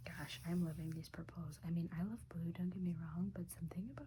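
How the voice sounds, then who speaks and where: Soft-spoken, the voice moves at a moderate pace. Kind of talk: ASMR soft-spoken crayon swatching.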